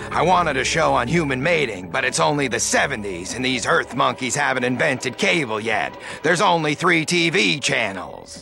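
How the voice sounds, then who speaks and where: Against clear background noise, a man puts on a character voice at medium pitch, with hardly any pauses. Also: moderate pace. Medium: video game. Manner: sarcastic, brash.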